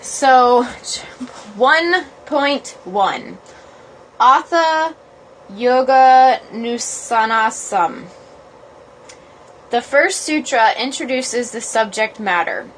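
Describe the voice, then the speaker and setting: Speaking slowly in a fairly high, somewhat bright voice, a yoga blogger hosts a chatty, informal phone livestream. The recording is rough with a little hiss or hum, and she occasionally reads aloud haltingly from her small, cold, uninsulated cottage room.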